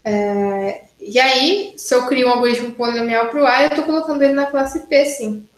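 A woman's voice: sits high, normal speed, reverberant, rough recording. A woman university lecturer teaching an online class, working through exercises step by step and checking in with students often. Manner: explains step by step, frequent "né?" and "tá?" checks.

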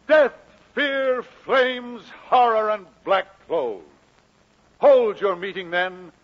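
Impassioned preacher, dramatically swooping voice. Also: male voice, high-pitched, exaggerated voice. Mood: thundering, indignant. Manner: declamatory, solemn rhetoric. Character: impassioned, grieving preacher leaving his valley, firm and commanding. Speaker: minister. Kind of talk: mid-century radio drama acting. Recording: muffled old radio recording.

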